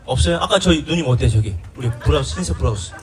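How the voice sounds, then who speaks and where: A man performing as a pumba singer and emcee on an outdoor festival stage, bantering loudly and playfully with the audience. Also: on the high side, lively intonation, rapid-fire. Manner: loud playful banter, teases the audience, runs quizzes. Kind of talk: live stage singing and crowd banter. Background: live music and crowd.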